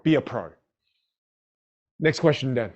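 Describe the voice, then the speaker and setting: Animated man coaching a live online class. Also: medium pitch, a little slow, dull audio. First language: a Chinese dialect. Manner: animated, upbeat, addresses viewers in chat. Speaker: public speaking coach.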